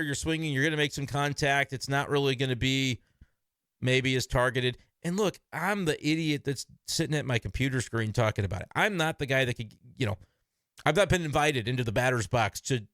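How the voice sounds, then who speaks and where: A man's voice: mid-range voice, fairly bright tone, no room sound, studio quality. A man giving casual, frank solo commentary on his baseball team from his computer desk, talking in an opinionated, conversational way.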